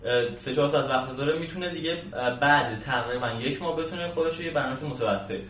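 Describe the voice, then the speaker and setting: A man's voice: mid-range voice, fairly bright tone. A man giving casual, explanatory answers as an interview guest. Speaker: programming instructor, interview guest. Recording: echoey distant mic, muffled, faint hiss.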